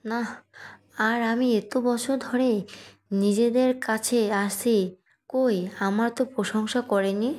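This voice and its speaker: A woman's voice: on the high side, fairly even intonation, takes it slowly, darkish tone. Woman playing a cheeky, stubborn young bride. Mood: scheming. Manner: sulky and cheeky. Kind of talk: audio story reading.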